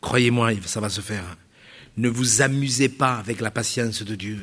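A middle-aged pastor preaching to his congregation in a husky, slightly breathy voice of ordinary pitch. He drives his points home with repetition and rhetorical questions, pushing steadily through a church sermon. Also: normal speed, a bit bright. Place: church service.

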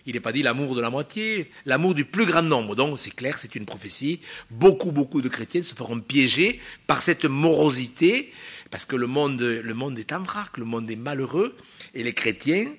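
A man delivering a sermon in a church with a husky, slightly rough voice at an ordinary pitch. He preaches emphatically, punching single words loudly and then dropping to quiet asides. He keeps turning to the congregation with rhetorical questions. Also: expressive, normal speed. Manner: emphatic, swings from loud stresses to quiet asides.

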